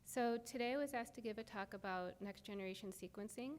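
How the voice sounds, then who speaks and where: A soft-spoken woman giving an academic lecture, explaining step by step with frequent ums. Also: mid-range voice, a little fast. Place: lecture hall. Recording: reverberant lecture hall, faint noise.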